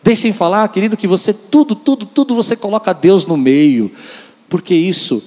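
High-voiced man preaching in a reverberant hall. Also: expressive, moderate pace, a little mellow. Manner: emphatic, with repetition and acted-out dialogue. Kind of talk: charismatic church sermon. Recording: long reverb of a large hall.

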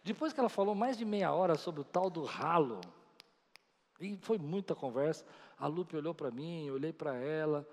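A man's voice: on the high side, animated, moderate pace. A man preaching a sermon, telling stories with animation and acting out the voices of others. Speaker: pastor. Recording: long reverb of a large hall.

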